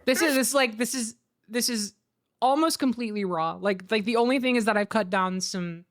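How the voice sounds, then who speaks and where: Giggly, excitable young woman streamer. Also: fairly high pitch, normal speed. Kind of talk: casual livestream chat.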